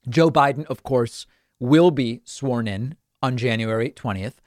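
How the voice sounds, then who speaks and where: A man's voice: medium pitch, unhurried, a little mellow, no room sound, clean studio sound. A man hosting a political talk show, giving scornful, argumentative commentary.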